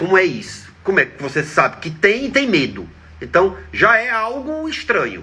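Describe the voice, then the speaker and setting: Over noticeable background noise, a man uses a raised, projected voice at a high pitch with very wide pitch swings and big swings in loudness. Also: moderate pace. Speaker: spiritist teacher. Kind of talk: live Q&A talk. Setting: Instagram live stream.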